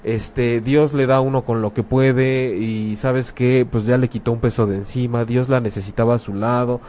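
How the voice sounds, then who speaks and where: A man with a Mexican accent speaks in a relaxed, conversational way. His talk is frank and colloquial, full of slang and rhetorical questions, at a middle pitch. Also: normal speed, slight background noise. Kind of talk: casual talk about grief.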